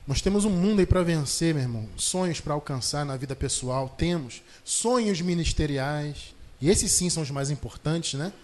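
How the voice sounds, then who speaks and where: A man's voice: a little high, animated, moderate pace, hardly any pauses, a little mellow. A Brazilian man preaching a sermon on a livestream, chatty and conversational, stretching out scripture verses with emphasis. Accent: Brazilian Portuguese. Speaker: pastor. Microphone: livestream microphone.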